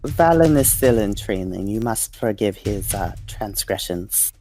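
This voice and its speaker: Man playing a mellow, courteous inquisitor. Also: on the low side, lively intonation, unhurried, faint music behind. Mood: smooth, apologetic. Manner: deferential, polite, formal. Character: courteous, devout Inquisition officer.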